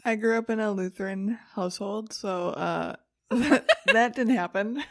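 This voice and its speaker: A woman's voice: mid-range voice, unhurried, a bit bright. A woman in her thirties co-hosting a casual podcast chat, wry and offhand, swearing casually. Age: 30s. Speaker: podcast co-host.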